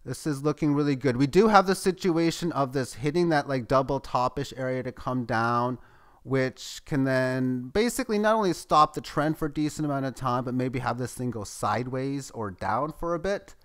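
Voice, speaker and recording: A man giving live, tick-by-tick commentary on a price chart as the host of his channel, growing excitable at key moments. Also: normal speed. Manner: running play-by-play, excitable at highs. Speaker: market chart analyst.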